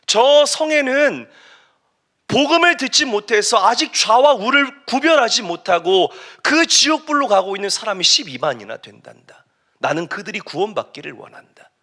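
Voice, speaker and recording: A fatherly, patient God asks gentle questions and pleads with a stubborn servant, voiced by a preaching man. The voice is bright and tense, with pitch that swings widely. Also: animated, moderate pace, heavily acted. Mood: pleading.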